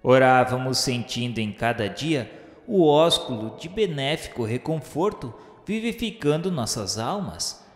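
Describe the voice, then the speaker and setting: A man's voice: medium pitch, lively intonation, a little slow, natural voice. A Brazilian man playing a remorseful male spirit who narrates a radio novela in solemn, formal, literary diction. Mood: sorrowful, remorseful. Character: remorseful male spirit of a suicide recalling the afterlife. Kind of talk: dramatized first-person narration of a radio novela. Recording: echoey hall reverb with music.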